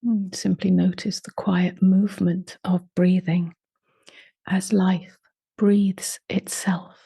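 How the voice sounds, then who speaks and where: A woman leading a guided meditation in a soft, unhurried voice that often drops to a half-whisper. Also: fairly low pitch, flat delivery, creaky, breathy edge, dry recording. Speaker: meditation teacher.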